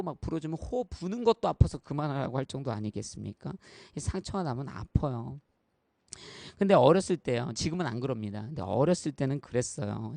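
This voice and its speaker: Gravelly-voiced man preaching a sermon. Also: medium pitch, darkish tone, dry recording. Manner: earnest, conversational preaching with personal stories; addresses the congregation directly and repeatedly. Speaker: pastor. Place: church.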